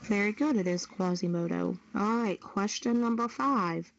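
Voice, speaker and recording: A woman's voice: medium pitch, normal speed, gravelly. A woman hosting a group podcast quiz, reading out questions and confirming answers. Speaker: quiz host. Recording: dull, lo-fi online audio.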